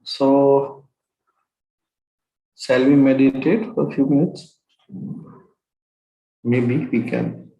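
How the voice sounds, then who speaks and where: A man as spiritual teacher, gently guiding a group meditation over a video call. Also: medium pitch, fairly even intonation, vocal fry, roomy sound, highs cut off. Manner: gentle, unhurried and encouraging. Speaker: spiritual teacher leading a session.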